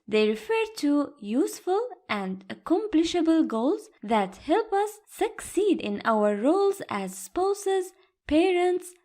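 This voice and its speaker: A woman reading scripted audiobook-style narration with careful, measured enunciation. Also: high voice, a little mellow. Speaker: voice-over narrator.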